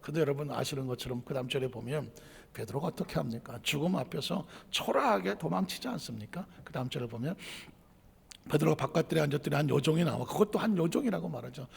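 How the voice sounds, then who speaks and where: A male pastor preaching a dramatic sermon, swinging from loud declarations to near-whispers, in a church sanctuary with long reverb. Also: fairly high pitch, expressive, quick pace, creaky, husky.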